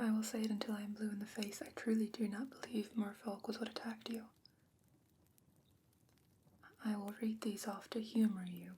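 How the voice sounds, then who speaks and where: In a fantasy ASMR roleplay, a woman voices a patient, bookish sorceress, whispering breathily as she explains things in a measured, gently skeptical manner. Her natural voice sits fairly high, with background noise in the recording.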